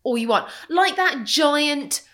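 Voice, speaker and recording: A woman's voice: high-pitched, expressive, a little slow, bright, forceful tone. A middle-aged woman co-hosting a podcast, chatty and rambling, a bit stuffed up with a cold. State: bunged up with a cold. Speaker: podcast co-host. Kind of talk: casual kitchen chat.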